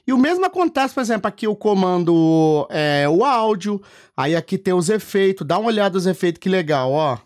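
A high-voiced Brazilian man walks viewers through his streaming setup. He talks casually and keeps pointing things out on screen. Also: sing-song, fairly quick, darkish tone. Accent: Brazilian Portuguese. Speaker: streamer and content creator. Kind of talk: casual tech demo.

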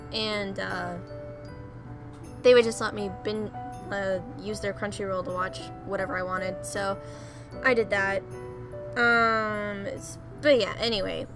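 A young woman hosting a let's play, rambling casually and laughing at herself as she clicks through game menus. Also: mid-range voice. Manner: chatty, giggly, self-deprecating. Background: soft background music.

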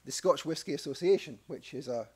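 Speaking briskly in a fairly high, breathy-edged voice, a middle-aged man with a Scottish accent presents research from a podium microphone in a press club conference room. The academic frequently restarts his sentences and drops in dry asides.

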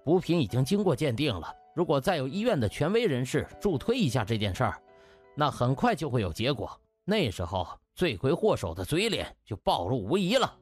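A man's voice: mid-range voice, sing-song, brisk, slightly rough, faint music behind. A man voicing a righteous, indignant young male doctor in an audiobook, resolute and emphatic. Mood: righteous indignation.

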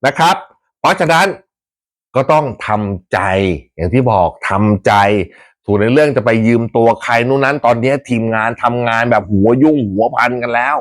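A man hosting a fan channel, talking casually to viewers about his football club's transfers in a chatty, animated way with rough slang and frequent laughs. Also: medium pitch, normal speed.

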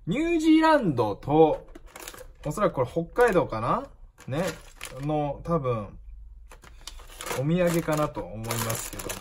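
A man's voice: on the high side, background noise. A man chatting casually as he unboxes a gift parcel, musing aloud and reading out the labels as the shop owner and channel host.

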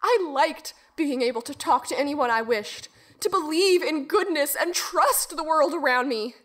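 A woman playing a young, bitter Little Red Riding Hood survivor in an audio drama, telling her ordeal with deliberate, intense emotion. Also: sits high, expressive, a bit bright. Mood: angry, anguished. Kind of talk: dramatic first-person audio drama monologue.

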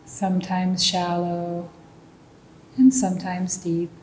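A woman leading a guided meditation as a teacher, giving calm, gentle instructions. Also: slow. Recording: roomy echo, faint low rumbling noise.

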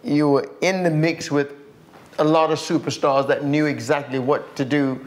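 A woman's voice: deep voice, normal speed. An older woman with an American accent, a singer chatting as an interview guest, telling stories with lots of restarts and repeated words. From USA. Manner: animated storyteller, frequent restarts and repeated words. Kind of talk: casual interview chat.

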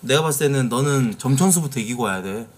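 A man's voice: medium pitch, expressive, fast talker, a little hiss or hum. A man in his thirties hosting a livestream, teasing his guest and laughing in casual banter from an indoor room. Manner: teasing, laughing, talks casually and drawls reactions. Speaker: streamer host.

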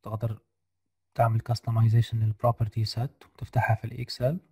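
A man leading a software lesson over a video call, his voice gravelly and dark, audibly tired. He speaks flatly and hesitantly, filling pauses and mixing in English terms. The sound is dry and close. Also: mid-range voice, dry recording. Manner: hesitant, many fillers, mixes English terms. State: tired, slightly unwell voice. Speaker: guest lecturer. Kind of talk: screen-share software lesson.

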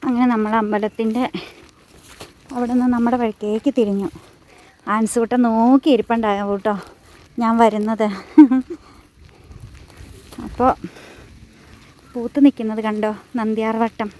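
A woman's voice: a little high, flat delivery, normal speed, pauses often, darkish tone. A woman in her thirties from Kerala, a college lecturer, narrating her family vlog in a homely, chatty way. She teases and coos at her family, and she records outdoors on a handheld phone while walking home.

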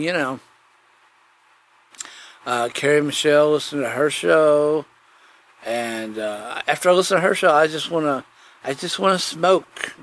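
A man's voice: a little high, a bit bright. A man chatting casually on his own as a podcast host, folksy and digressive, often circling back to repeat his phrases. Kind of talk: rambling casual solo chat.

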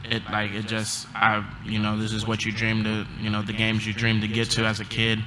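Subdued young man, flat low voice. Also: background noise. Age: young adult. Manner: subdued, halting, many ums. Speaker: college basketball player. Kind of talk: postgame press conference answers. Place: press conference room. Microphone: table mic.

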